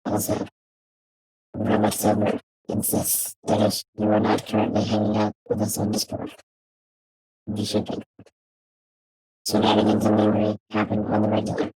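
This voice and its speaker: A solemn robot voice, stiff and formal, utterly level in pitch and unhurried. The robot filter leaves a husky, grainy edge on every word. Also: female voice, mellow, exaggerated voice, rough recording. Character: solemn self-important robot bent on fighting shadows. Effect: robot voice changer filter. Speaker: game streamer.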